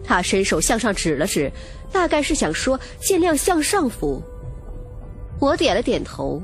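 A woman's voice: fairly high pitch, sing-song, measured pace. A woman reading a romance novel as dramatic, scripted first-person narration. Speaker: audiobook narrator. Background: music.

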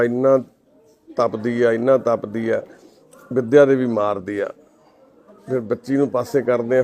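A man with a Punjabi accent, a charity volunteer making a soft, pleading appeal to the camera. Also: medium pitch.

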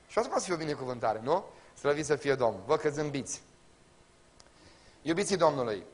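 In a church, a man with a Romanian accent preaches to his congregation in a colloquial style. His delivery swings between loud exclamations and low murmurs.

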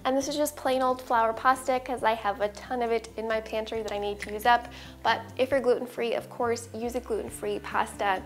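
A woman's voice: fairly high pitch, fairly even intonation, brisk, soft background music. Woman narrating a cooking tutorial. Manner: clear, instructive, step-by-step. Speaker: cooking channel host. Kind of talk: recipe voice-over narration.

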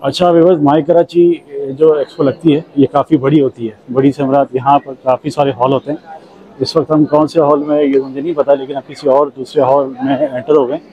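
A man hosting a walking vlog at an expo hall, chatting with vendors and often repeating their answers back. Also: medium pitch. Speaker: vlogger host. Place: large indoor expo hall. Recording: busy crowd around.

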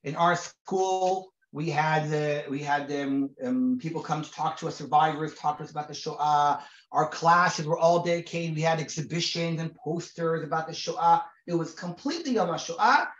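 A man's voice: a little high, fairly bright tone. Male rabbi in his forties, from Israel, conversational lecture style, lots of restarts, roomy and muffled recording. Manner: conversational, many restarts and repeated words; reads Hebrew sources aloud quickly. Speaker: rabbi teaching a class. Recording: roomy, dull lo-fi sound.

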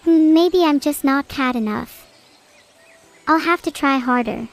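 A synthetic female AI voice, chatting casually as a stream co-host with dry, deadpan quips. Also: high-pitched, measured pace, creaky, faint music behind. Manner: deadpan, matter-of-fact quips. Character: female AI vtuber, dry and teasing.

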